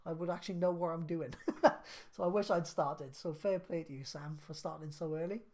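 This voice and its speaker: Man, 30s, casual live stream host answering questions in a relaxed, rambling way. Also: fairly high pitch, fairly quick. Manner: laid-back and chatty, lots of fillers. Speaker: craft business live streamer.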